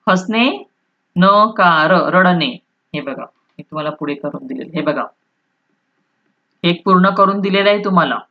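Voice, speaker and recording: A woman teacher with a lowish voice leads a school Marathi lesson. She walks through grammar rules patiently, repeating terms and checking that students follow, with a slight switch into Hindi now and then. The recording sounds dull and lo-fi. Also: expressive, measured pace, pauses often. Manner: explains step by step, often checks "right?", repeats key terms; switches into Hindi to restate points.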